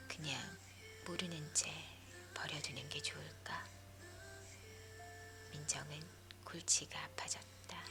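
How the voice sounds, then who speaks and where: A woman leaning in to whisper a story for sleep in a hushed, breathy ASMR narration. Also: low-pitched. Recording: music behind the voice. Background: music.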